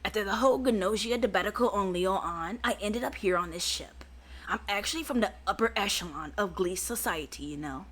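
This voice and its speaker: A woman reading aloud the lines of a snobbish upper-class crew member from a game, in her own bright voice. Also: mid-range voice, fairly quick, voice pushed down, close to an everyday voice. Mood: smug.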